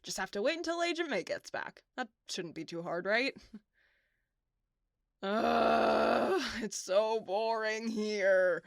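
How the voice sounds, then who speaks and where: A woman's voice: a little high, animated, takes it slowly, creaky, no echo, studio quality, exaggerated voice. A woman playing a bored, restless character who chatters to herself in an audio drama. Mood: bored, curious. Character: bored, restless woman waiting alone on duty.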